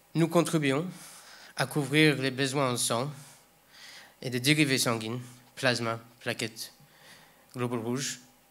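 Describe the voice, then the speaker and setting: At a fairly slow pace with long, frequent pauses, a man with a non-native accent speaks at a medium pitch and fairly even intonation on a very clean recording with a silent background. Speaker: doctor, blood service site manager. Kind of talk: lecture. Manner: halting.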